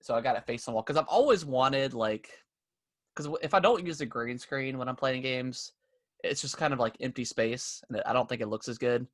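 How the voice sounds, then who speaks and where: A man's voice: mid-range voice, a little fast, a bit bright, no echo, studio quality. A young man co-hosting a podcast from his home office, stuffy from allergies and rambling through casual chat with lots of fillers and restarts. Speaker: podcast co-host. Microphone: desk setup with camera.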